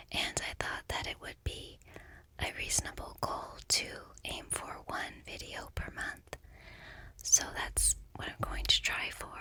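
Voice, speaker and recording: A middle-aged woman who makes ASMR content reads a book aloud in a gentle whisper. She is quiet and soft-spoken, and her manner is unhurried and soothing.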